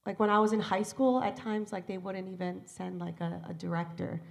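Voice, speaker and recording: A woman's voice: medium pitch, level tone, brisk, gravelly. A woman in her thirties, a voice actor guest chatting animatedly on a convention panel with a handheld mic. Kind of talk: casual panel chat.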